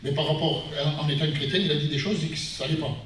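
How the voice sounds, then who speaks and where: A man preaching a sermon as a guest pastor, telling a personal testimony in an animated way, climbing loud and high as he retells events. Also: fast talker, a little hiss or hum. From France. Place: church hall. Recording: echoey church from far off.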